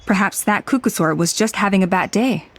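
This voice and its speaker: A woman's voice: mid-range voice, fairly quick, slight background noise, natural voice. A woman voicing a composed, welcoming female tribal elder in a game cutscene. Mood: calm. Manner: composed, hospitable.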